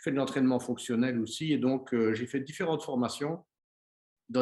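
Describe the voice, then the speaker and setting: This man talks in a Liège accent at medium pitch. His pace is moderate and his intonation fairly even. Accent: Belgian (Liège). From Belgium, Liège region. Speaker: biochemist and wellness coach. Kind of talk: conference talk.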